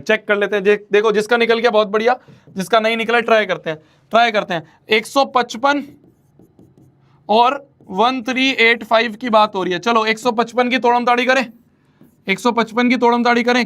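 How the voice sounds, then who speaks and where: A young man teaches a maths lesson with a high voice. He talks playfully, often repeating his questions and teasing his students as he works through problems. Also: fairly even intonation, brisk, fairly bright tone. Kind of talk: online class lecture.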